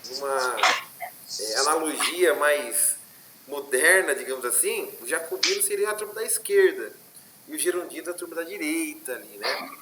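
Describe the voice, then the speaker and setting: Brazilian history teacher, slightly high voice, noisy clicking line, explains with fillers. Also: male voice, animated, moderate pace, echoey room. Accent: Brazilian Portuguese. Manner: explanatory, frequent fillers and tag questions. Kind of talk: online class lecture. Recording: noisy online class audio with clicks.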